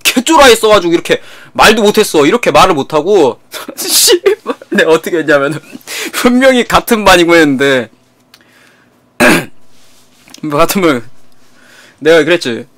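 A high-voiced young man streams a casual story, swinging his pitch widely. His tone is bright and sharp. He repeats and swears freely as he tells it. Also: moderate pace, long pauses. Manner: animated, repetitive, profane retelling.

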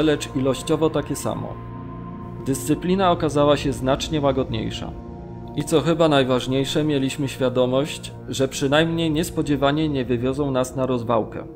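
A man's voice: medium pitch, lightly acted. An actor playing a sober male political prisoner, giving a matter-of-fact monologue in a radio documentary drama.

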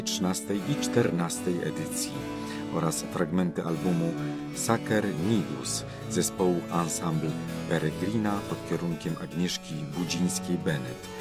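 A man reading scripted credits as a radio announcer. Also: low voice.

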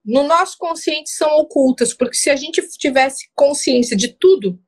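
A woman's voice: sits high, expressive, moderate pace. A woman relationship coach giving firm, assertive advice to a caller, often checking in with short asides. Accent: Brazilian Portuguese.

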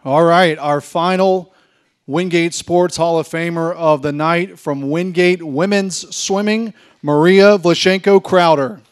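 Man, 30s, gala emcee, higher pitch, polished announcing. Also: steady tone, slow pace, clean tone. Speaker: event host. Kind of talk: formal award introduction. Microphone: handheld mic.

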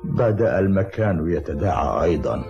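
An old cartoon grandfather, protective and reassuring. His low voice is gravelly and swings expressively. It sits on a dull old soundtrack with music behind. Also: expressive, normal speed. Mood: gentle, grave. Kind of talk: cartoon dub acting.

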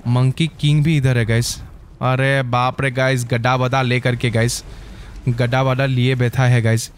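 A man hosting his gaming channel, giving excitable gameplay commentary and calling out to his viewers constantly. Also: medium pitch, moderate pace, a little hiss or hum. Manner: excitable, keeps saying "guys".

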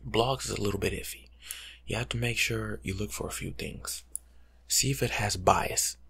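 A young American man giving soft-spoken ASMR advice in a slangy, teasing, lecturing way, often slipping into a breathy whisper. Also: on the low side, moderate pace. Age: young adult. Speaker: ASMR creator playing a life coach. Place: small home room, seated indoors.

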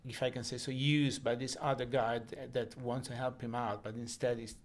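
Mid-pitched male interviewer, halting phrasing, handheld mic in a press room. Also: flat delivery. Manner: searching for words, repeats himself. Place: festival press room, indoors.

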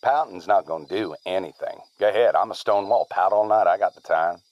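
A man playing a gruff, stubborn, wounded man in a naturalistic audio drama, grumbling and curt. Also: deep voice, a little fast, no echo, highs cut off. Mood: exasperated, coaxing.

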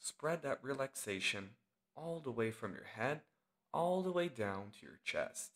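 A man narrates a guided meditation in the role of instructor. He delivers short, measured phrases and leaves long gaps between them. His intonation moves freely up and down across a wide range. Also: mid-range voice, sing-song, fairly bright tone.

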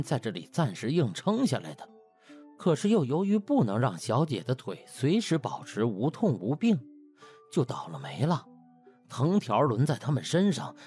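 A man narrating a comic novel in an expressive, colloquial storytelling style. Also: mid-range voice, husky. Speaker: audiobook narrator.

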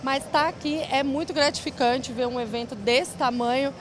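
A young bank branch manager from São Paulo city, Brazil, cheerfully answers interview questions into a handheld mic in a large indoor event hall lined with rows of chairs, laughing easily in casual chat. Her voice sits high with fairly even intonation at a moderate pace, and background noise is present.

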